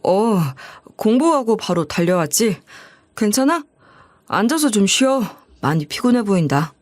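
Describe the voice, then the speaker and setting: A woman's voice: medium pitch, very animated, unhurried, no echo. A woman voicing a rude, cold young man who snaps curtly at his fiancée. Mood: concerned. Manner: curt, snapping, dismissive.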